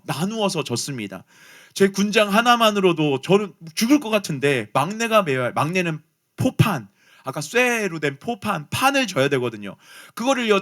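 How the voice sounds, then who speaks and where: A man preaching a youth sermon, telling a personal story and speaking straight to his listeners. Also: sits high. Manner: animated storytelling, addresses listeners directly. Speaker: pastor.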